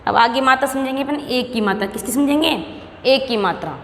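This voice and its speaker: A woman's voice: sits high, a little hiss or hum. Echoey Hindi teacher drilling her pupils. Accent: Rajasthani Hindi. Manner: asks questions and answers them herself, repeats words slowly. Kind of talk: classroom lesson for young pupils. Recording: echoey room with long reverb.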